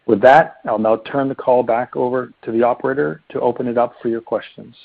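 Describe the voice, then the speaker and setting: A man delivers prepared financial remarks formally and evenly, like an executive on an earnings call. His voice is somewhat husky and of ordinary pitch. It comes through a very narrow telephone line. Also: steady tone, a little fast, dry recording. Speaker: company finance executive presenting results. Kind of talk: scripted earnings report narration. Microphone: telephone conference line. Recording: muffled narrow phone-line conference call.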